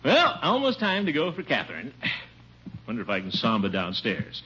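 An actor playing a pompous, blustering middle-aged water commissioner in a 1950s radio sitcom, boastful and chuckling. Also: male voice, medium pitch, huge pitch swings, moderate pace, sharp tone, husky, exaggerated voice. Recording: dull old radio broadcast recording.

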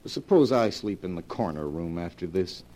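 An actor playing a guilty, suspicious husband in an old-time radio drama, with a theatrical, edgy delivery. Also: male voice, low voice, expressive, normal speed, warm tone. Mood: tense, controlled.

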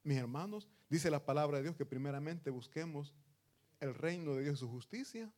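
A man, a pastor, preaching a sermon and calling his listeners brothers, slowing down to stress scripture and swinging between loud rises and soft drops. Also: fairly high pitch, expressive. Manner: slows down to stress lines of scripture.

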